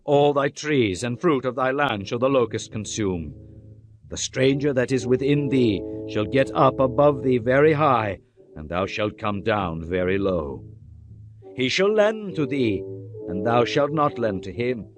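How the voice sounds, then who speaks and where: A man giving a dramatized audio Bible reading in a solemn, declamatory manner with deliberate phrasing. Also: medium pitch, animated. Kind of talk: dramatized King James scripture reading. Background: music bed.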